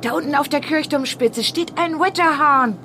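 A woman's voice: high voice, moderate pace, close to an everyday voice. An actress playing a flustered, pleading witch mother with a put-on Irish-English accent in a children's audio drama. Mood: pleading alarm. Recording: noisy old audio drama sound.

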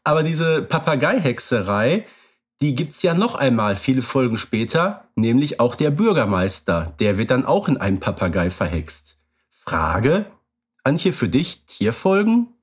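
A man's voice: medium pitch, big pitch swings, measured pace, slightly rough. A man co-hosting a podcast, chatting casually and readily agreeing with his partner. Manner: agreeable, affirming, conversational. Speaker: podcast co-host. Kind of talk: casual chat about radio plays.

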